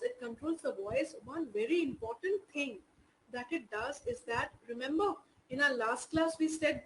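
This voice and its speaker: A woman's voice: sits high, slight background noise, low-quality recording. A woman teaching an online class in Indian English, explaining patiently with many "you know" fillers.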